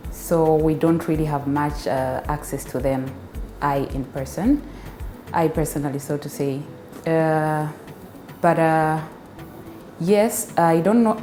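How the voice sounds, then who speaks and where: A woman's voice: deep voice, dark tone. A Zambian woman, a biomedical scientist, giving a testimonial in a hesitant way with many fillers and restarts. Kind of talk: filmed testimonial interview. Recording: echoey room with faint music.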